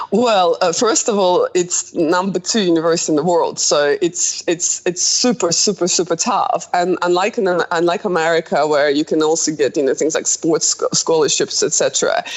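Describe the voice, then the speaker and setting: Speaking in a Russian accent at a moderate pace, a woman holds a very even loudness with hardly any pauses, over noticeable background noise. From Russia, Moscow. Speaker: historian. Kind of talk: interview. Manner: halting, many repetitions.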